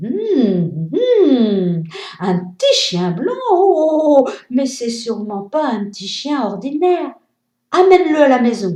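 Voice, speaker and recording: The put-on character voice moves at a fairly slow pace with very wide pitch swings. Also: woman, high pitch for a woman. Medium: read story. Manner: hums and muses.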